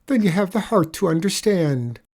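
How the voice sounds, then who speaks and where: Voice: mid-range voice, expressive, normal speed, a little mellow, pitched above the performer's own voice. A storyteller voicing a sly, wheedling male leprechaun with an Irish accent, spinning a pitiful tale in a storybook reading.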